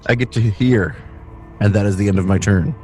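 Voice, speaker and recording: A man's voice: lowish voice, a little fast, darkish tone, faint music behind. A man talking casually and matter-of-factly as a player in a tabletop roleplaying game.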